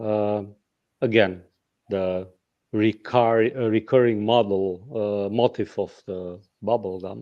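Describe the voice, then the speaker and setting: At a very slow pace with long, frequent pauses, a man with a Romanian accent speaks in a fairly low voice with fairly even intonation and big swings in loudness. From Romania, Transylvania. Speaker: portrait photographer. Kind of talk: presentation of own work. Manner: halting, many fillers and restarts.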